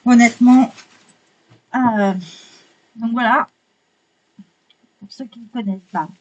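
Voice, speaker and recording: A woman with a slightly husky, somewhat high voice chats through an unboxing. She is excitable, swears casually and keeps apologizing as she goes. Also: takes it slowly, muffled recording. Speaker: vlogger unboxing art supplies.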